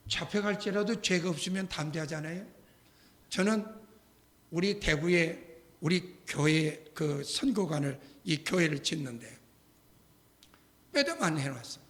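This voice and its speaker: Older pastor guy preaching, acts out the story voices, high sharp voice, gets loud. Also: measured pace, pauses often. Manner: animated storytelling, acting out quoted voices, shouting at climaxes. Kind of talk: sermon with storytelling.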